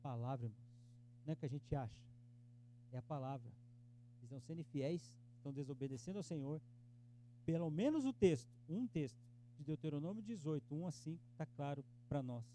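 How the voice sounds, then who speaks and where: A Brazilian man, a pastor, teaching an interactive Bible class, questioning the class and acting out their replies, swinging between emphatic exhortation and soft earnest tones. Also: on the high side, lively intonation, a little fast, slight background noise. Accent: Brazilian Portuguese. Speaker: pastor teaching Sunday school.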